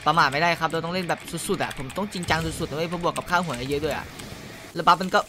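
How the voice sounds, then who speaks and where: A man giving casual gameplay commentary as a gaming YouTuber, brash and swearing, shouting at opponents, his voice near cracking. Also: on the high side, fairly even intonation, very fast. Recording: game music behind.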